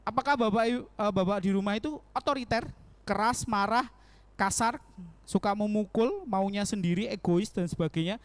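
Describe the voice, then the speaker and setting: A young man preaching a casual sermon in a church, animated, acting out prayers in quoted voices and laughing often. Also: high voice, moderate pace, dry recording. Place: church hall.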